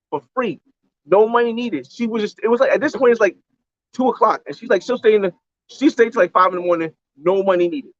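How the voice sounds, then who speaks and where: High-voiced man rambling through a story. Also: fairly bright tone, no echo, muffled recording. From United States. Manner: rambling, slangy, repeats phrases. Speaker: travel vlogger. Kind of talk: casual storytelling on a livestream.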